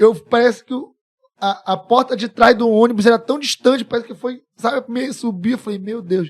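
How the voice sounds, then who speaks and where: A man's extremely high-pitched voice with ordinary pitch variation. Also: moderate pace. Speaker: entrepreneur. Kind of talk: storytelling interview.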